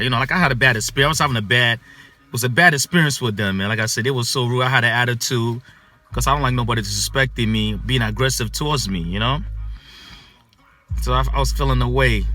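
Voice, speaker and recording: A man in his thirties, born in Ghana, telling a story casually from inside a car at night into a close-held phone, animated and full of fillers and repeats. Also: mid-range voice. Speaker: vlogger. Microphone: phone camera held close.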